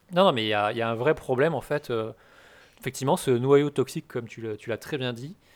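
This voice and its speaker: A man with an unremarkable speaking voice talks at a fairly quick pace, pitched medium, with ordinary pitch variation and big swings in loudness. The recording is very clean with a silent background and a dry, close sound with no echo. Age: 30s. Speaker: video game podcast host. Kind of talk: casual chat.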